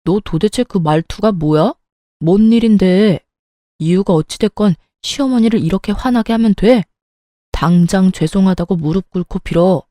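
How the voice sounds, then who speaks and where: A woman's voice: medium pitch, moderate pace, mellow, no echo, studio quality, natural voice. A woman voicing an arrogant, entitled young husband who talks down in a blustering way. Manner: condescending, blustering.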